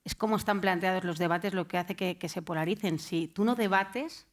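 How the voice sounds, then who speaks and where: A woman journalist speaking on a discussion panel, pausing often with fillers. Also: on the low side. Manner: hesitant, many fillers.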